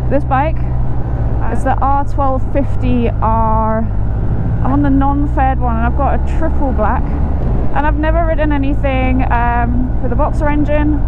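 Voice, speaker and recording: Over loud background noise, a woman talks at a very slow pace with long, frequent pauses, in a dry sound with no echo. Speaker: motorcycle vlogger. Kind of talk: casual vlog chat. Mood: cheerful, chatty. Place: motorbike. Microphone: helmet.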